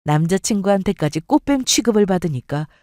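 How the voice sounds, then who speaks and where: Expressive woman reading a story. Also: mid-range voice, a little fast, no room sound, clean studio sound. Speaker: story reader. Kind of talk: dramatic first-person story narration.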